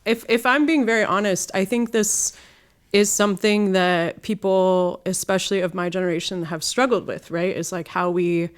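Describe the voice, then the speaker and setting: A woman from Los Angeles talks as a studio interview guest, warm and engaged, often tagging her thoughts with "right?". Her voice is smooth and clear at a middle pitch. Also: fairly even intonation, moderate pace. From Los Angeles, United States. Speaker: guest, community organizer. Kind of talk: conversational interview.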